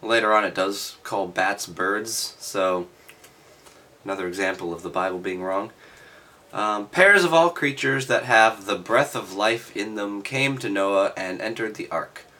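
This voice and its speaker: A man reading aloud and adding halting, offhand, skeptical commentary with sardonic asides. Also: fairly low pitch, pushed and bright. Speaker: reader and commentator.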